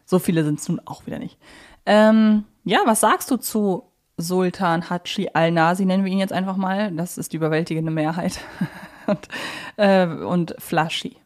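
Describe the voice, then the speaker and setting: A woman's voice: lowish voice, steady tone, normal speed, darkish tone. A woman co-hosting a casual fan podcast, thinking aloud as she chats. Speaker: podcast co-host.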